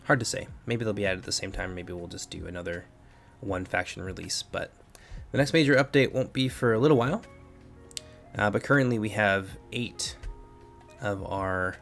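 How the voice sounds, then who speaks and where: A man with a stuffy, congested voice giving relaxed live commentary on a strategy game while answering chat. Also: deep voice, fairly quick, creaky, faint music behind. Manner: relaxed, thinking aloud with fillers. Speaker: game streamer and mod developer. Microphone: headphones with mic at a computer.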